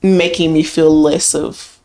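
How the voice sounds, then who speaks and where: A woman's voice: deep voice, slow. Casual woman podcast co-host. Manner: conversational, rambling, lively emphasis.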